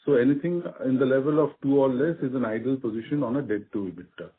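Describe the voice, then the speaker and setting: A man with an average-pitched voice speaks through a thin phone connection. He gives short, explanatory answers as a finance executive on a conference call. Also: fast talker. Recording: tinny narrowband phone line.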